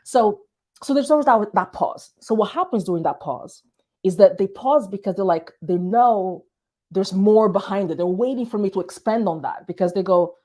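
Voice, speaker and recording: A woman with a light, hard-to-place foreign accent that carries a hint of British, speaking straight to her viewers. Her delivery is conversational and story-driven, as she gives business advice as a marketing strategist. Her voice sits at a middle pitch for a woman. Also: animated, normal speed, mellow. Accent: light hard-to-place foreign accent with some British touches. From Portugal. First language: Portuguese. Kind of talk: business advice talk to camera.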